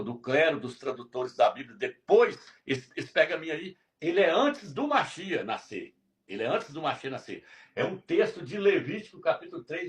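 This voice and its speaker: A man's voice: fairly high pitch, a bit bright. A man leads a live-stream Bible lesson in a slightly raised voice. He talks emphatically and repeats himself, pointing things out and checking again and again that his listeners follow. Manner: emphatic, repetitive, keeps asking "tá vendo?". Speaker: religious teacher.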